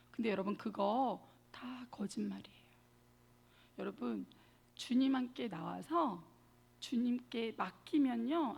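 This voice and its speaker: A woman's voice: a little high, gravelly, a little mellow, slightly rough. A woman guest speaker preaching a sermon, telling her story animatedly, acting out quotes and addressing the congregation directly.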